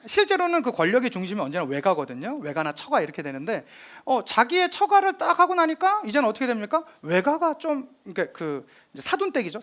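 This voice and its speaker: A man lecturing on history, retelling drama scenes in a lively storytelling manner. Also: extremely high pitch.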